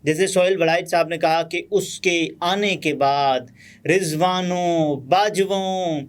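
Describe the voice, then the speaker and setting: A man with a Pakistani Urdu accent giving conversational political news commentary, pausing often with fillers. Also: high-pitched. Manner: conversational, many pauses and fillers.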